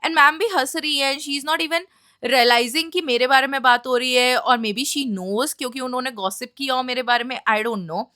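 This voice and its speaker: A young woman tells a personal story in a casual storytime vlog. She is animated and slips English phrases into her talk. Her voice is high and bright, and the sound is dry and close. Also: normal speed, no echo. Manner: animated, mixes Hindi and English. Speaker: vlogger.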